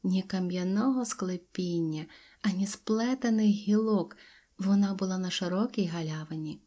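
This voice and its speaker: A woman's voice: mid-range voice, moderate pace, dark tone. A woman narrating an audiobook tale expressively, dropping to whispers at tense moments. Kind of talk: storybook narration.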